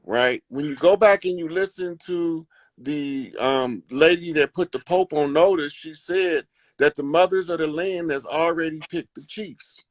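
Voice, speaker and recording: A male host with a somewhat high, unhurried voice gives a confident, rambling talk in a casual conversational style. He's emphatic and uses plenty of fillers, and the recording is dry.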